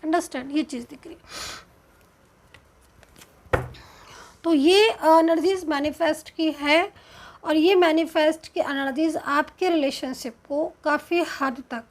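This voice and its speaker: A woman with an Indian accent giving a tarot reading in a slow, hesitant, explanatory way, full of fillers and pauses. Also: high-pitched. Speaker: tarot card reader.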